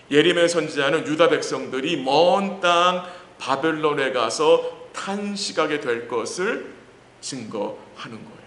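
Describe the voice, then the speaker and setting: A man preaching a sermon as pastor, posing questions to the congregation and reading scripture slowly. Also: fairly high pitch, fairly bright tone. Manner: asks the congregation rhetorical questions and answers them; reads scripture slowly and deliberately. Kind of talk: sermon at a midweek church service. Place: church sanctuary. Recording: roomy church hall with faint background noise.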